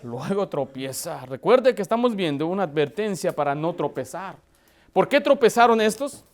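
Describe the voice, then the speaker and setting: This man's voice sits high and swings widely in pitch at a moderate pace. He is a pastor preaching a sermon, telling family stories with acted-out quotes and speaking directly to the congregation.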